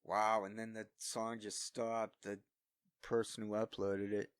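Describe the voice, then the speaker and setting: A man's voice: fairly low pitch, flat delivery, measured pace, clean tone, no room sound, clean studio sound. A man talking to himself on a solo vlog, his voice gone scratchy from singing, self-deprecating and thinking aloud. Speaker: solo vlogger. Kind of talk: unscripted rambling between singing attempts. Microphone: studio-quality microphone.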